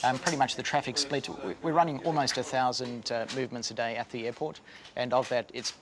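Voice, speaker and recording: A man's voice: medium pitch, steady tone, fast, crowd noise. A man, an air traffic line manager, answering questions on location with many hesitations. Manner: hesitant, many ums and uhs. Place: airport control tower. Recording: noisy control room background.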